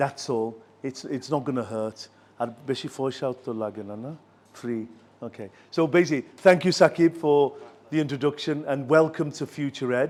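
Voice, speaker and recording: In an English accent, a man talks at a moderate pace with a fairly high pitch, ordinary pitch variation and big swings in loudness. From northern England, Liverpool. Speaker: professor and education consultant. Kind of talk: informal talk to students. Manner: halting, repetitive.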